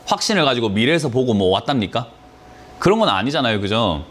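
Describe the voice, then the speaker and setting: A man talking quickly with a sore throat and lots of swing in his pitch. He lectures callers bluntly about their stock picks, throwing out rhetorical questions. His delivery is punchy, like a studio advisor on a call-in show. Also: sing-song, a bit bright.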